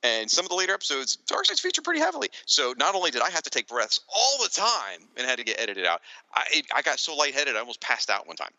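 A man co-hosting a podcast, expressive and chatty with laughing asides. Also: mid-range voice, quick pace, no room sound, muffled recording. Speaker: podcast co-host. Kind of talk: casual podcast chat.

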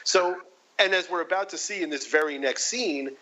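A man's voice: high-pitched, normal speed, bright, forceful tone, rough recording. A man co-hosting a casual film discussion, enthusiastic and building his points through restarts. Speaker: podcast co-host.

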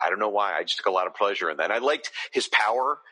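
A man's voice: lowish voice, lively intonation, racing, sharp tone, breathy edge. A man co-hosting a podcast in casual chat, laughing easily and thinking aloud with hesitations. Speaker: podcast co-host.

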